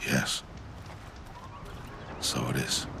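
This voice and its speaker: A man playing a stern, solemn older tribal mentor in a video game, speaking in grave, measured, formal phrases. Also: noisy background. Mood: solemn, restrained. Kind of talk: dramatic video game cutscene acting.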